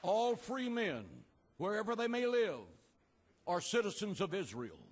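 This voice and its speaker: Older man, pastor-orator, high lively pitch, slow deliberate delivery, long reverb of an outdoor rally. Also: a little hiss or hum. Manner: slow, emphatic, repeated refrains, rising to shouts. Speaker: pastor giving a speech. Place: outdoor rally at an ancient port.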